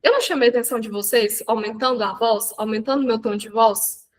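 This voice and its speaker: In poor audio, a Brazilian Portuguese speaker mentors viewers during a live online session, her fairly high voice moving a little fast. She is chatty and lively and often starts her sentences over.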